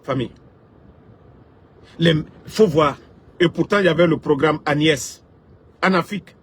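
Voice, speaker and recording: Man, fiery political commentary, husky, fairly high voice, loud bursts then quiet asides. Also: unhurried. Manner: emphatic, swings between loud outbursts and low asides. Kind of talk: impassioned political rant.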